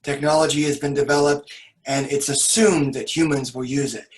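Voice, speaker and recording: A man hosts an online panel over a video call. His voice is slightly high for a man. He sounds upbeat and encouraging as he responds to the guest. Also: fairly even intonation, normal speed. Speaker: panel moderator.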